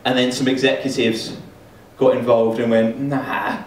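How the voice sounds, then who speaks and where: Deadpan Essex comedian in a roomy hall. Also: male voice, mid-range voice, moderate pace. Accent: Essex English. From Essex, England. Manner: deadpan, wry storytelling with hesitant fillers. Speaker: stand-up comedian. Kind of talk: stand-up comedy routine. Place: student comedy event hall with audience. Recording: roomy, distant amateur recording with noise.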